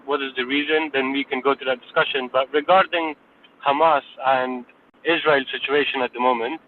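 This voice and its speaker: A man's voice: a little high, slight background noise. A man from Afghanistan arguing in a live audio room. He speaks insistently, lectures his listeners and repeats words when he is cut off. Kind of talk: heated debate. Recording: tinny phone-line audio.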